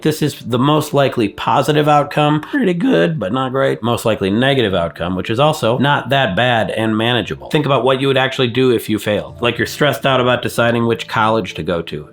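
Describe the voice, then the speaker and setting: A man in his forties, getting over a cold, giving frank, self-deprecating motivational advice in a casual vlog. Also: fairly low pitch. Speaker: YouTuber.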